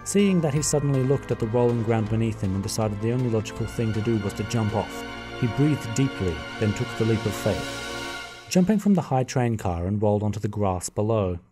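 A man's voice: lowish voice, expressive, a little fast, over music. Man narrating with wry humor. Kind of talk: fan radio play narration.

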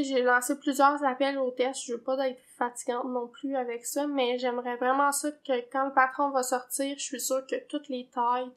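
High-voiced chatty Québécoise woman. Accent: Québécois French. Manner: chatty, many fillers and hedging tags. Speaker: knitting podcast host. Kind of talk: casual chat. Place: home, indoors.

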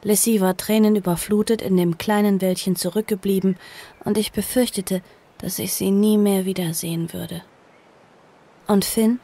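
A woman's voice: medium pitch, steady tone, moderate pace, dark tone, close to an everyday voice. An actress playing an earnest, frightened girl on the run in a horror audio drama, both narrating and in dialogue. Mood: somber, tense.

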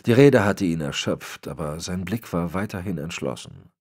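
A man reading a dark sci-fi audiobook in measured, expressive scripted narration. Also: low voice.

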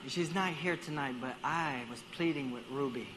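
A man's voice: a little high, moderate pace, noisy background. A man preaching a sermon as a guest speaker at a church service. He talks animatedly, acts out dialogue in other voices and repeats words while he gathers his thoughts.

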